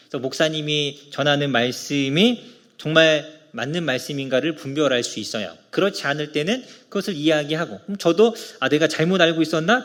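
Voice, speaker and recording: Middle-aged male pastor, somewhat high voice, earnest conversational sermon in a church. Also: a bit bright. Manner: earnest, conversational preaching with rhetorical questions. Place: church sanctuary.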